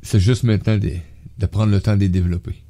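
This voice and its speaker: A man's voice: fairly low pitch, steady tone, fast, dark tone. A male radio host in a casual on-air chat. He answers with short affirmations and passes on comments from listeners.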